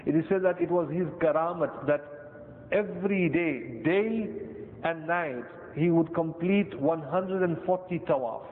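Male Muslim preacher, South Asian accent, deliberate phrasing with repeats; reverberant, phone-thin sound with some rumble. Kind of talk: sermon. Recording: tinny band-limited echoey hall, rumbly noise.

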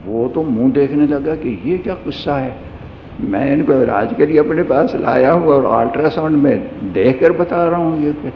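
A man's voice: fairly high pitch, a little hiss or hum. A man giving a sermon, telling a humorous personal anecdote in a storytelling manner. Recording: echoey hall, dull lo-fi sound.

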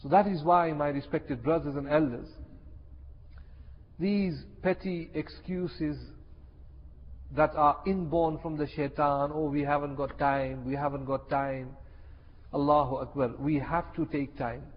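Impassioned high-voiced male preacher. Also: fairly even intonation, unhurried. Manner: impassioned, repeats key phrases for emphasis. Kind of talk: sermon. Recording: echoey hall, dull lo-fi sound.

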